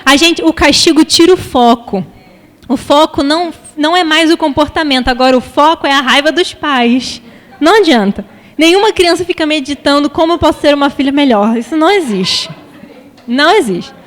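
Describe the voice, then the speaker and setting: A woman's voice: high-pitched, normal speed. A Brazilian woman giving a public talk on emotional education, speaking conversationally and putting questions to the audience. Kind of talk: public lecture with anecdotes. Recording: long hall reverb.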